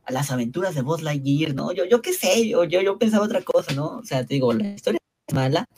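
A man's voice: on the high side, animated, fairly quick, darkish tone, slight background noise. A man with a Mexican accent in a casual podcast chat, rambling and tagging his phrases with little questions. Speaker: podcast panelist.

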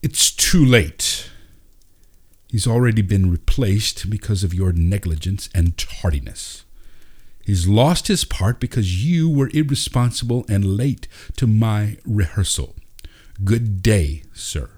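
A man's voice: lowish voice, expressive, slow pace, darkish tone, slightly rough, full character voice. A man voicing a pompous male drama director in a storybook, with stiff, formal delivery. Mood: irritated, stern.

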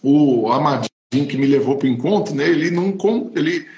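A man's voice: a little high, lively intonation, normal speed, a little mellow. A man, a pastor, telling a personal testimony in an emotional, emphatic way. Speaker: pastor and podcast host. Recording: roomy echo.

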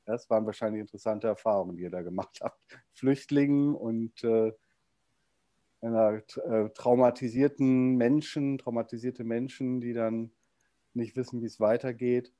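Male interviewer, halting and filler-heavy, mellow tone, dry close sound. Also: medium pitch, steady tone, no room sound. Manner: hesitant, many fillers and restarts. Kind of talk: casual interview.

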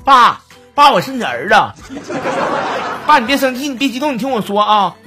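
A man's voice: very high voice, lively intonation, a little fast, music in the background, pitched above the performer's own voice. A man voicing a frantic young man who pleads urgently, claiming to be a time-traveling son. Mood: frantic pleading.

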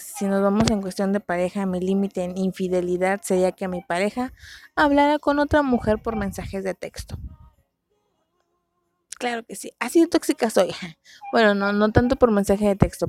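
A woman's voice: mid-range voice, vocal fry, a little mellow, dry recording. A young Mexican woman chatting casually about dramas and dating limits, slangy and self-mocking. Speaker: vlogger.

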